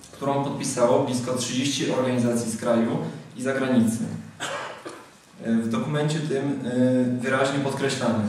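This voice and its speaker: A young man at a lectern in a large hall, reading a prepared speech in a formal, measured way. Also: medium pitch, slight background noise. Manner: formal, measured delivery from a script. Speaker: speaker at a convention. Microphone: lectern microphone. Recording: very echoey hall, mic at a distance.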